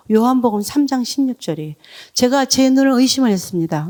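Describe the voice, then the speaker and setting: A middle-aged woman who serves as a deaconess gives an emotional testimony at a church revival, reaching out to the congregation and leading them in reading. Her voice is mellow and on the high side.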